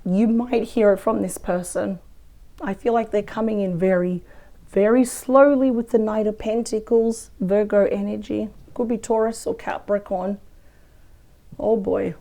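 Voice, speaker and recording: Hoarse woman with a croaky cold voice. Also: mid-range voice, fairly even intonation, measured pace, warm tone. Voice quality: croaky, weak voice. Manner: chatty, thinks aloud over the cards. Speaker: tarot reader. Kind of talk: weekly tarot reading. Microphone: close microphone.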